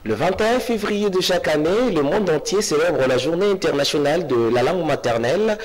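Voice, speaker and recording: A man reading the evening news as anchor, with some pauses and fillers. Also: on the high side, animated, low-quality recording.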